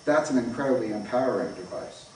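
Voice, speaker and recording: A man's voice: mid-range voice, expressive, fast talker, a little mellow. North American man lecturing in an echoey room. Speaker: academic conference speaker. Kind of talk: informal academic lecture. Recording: echoey room, distant mic, faint noise.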